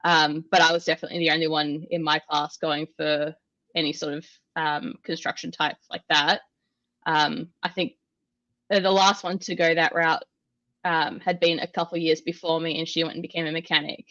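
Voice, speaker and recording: A young Australian woman, an engineer, explaining things in a relaxed, rambling way with many "um"s during an interview. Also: low-pitched, dry recording. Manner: relaxed, explanatory, frequent "um" pauses. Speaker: guest, industrial automation engineer. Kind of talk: casual interview answers. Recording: dull lo-fi dry audio.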